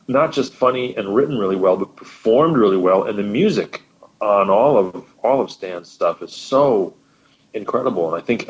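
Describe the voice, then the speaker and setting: A man's voice: on the low side, lo-fi sound. A man chatting on a podcast as guest co-host, talking with eager enthusiasm and often repeating words as he goes. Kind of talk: casual podcast conversation.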